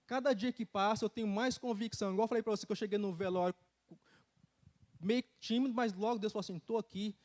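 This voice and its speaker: Middle-aged man, high voice, lively preaching testimony with casual asides. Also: fast talker. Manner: animated storytelling with laughter and colloquial asides. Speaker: church speaker giving a testimony. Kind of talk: sermon testimony. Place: church sanctuary.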